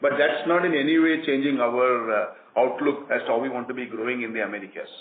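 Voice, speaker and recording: A man answering questions as a company executive on an earnings call, explaining in halting, repetitive phrases. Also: mid-range voice. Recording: tinny phone line, roomy echo, faint noise.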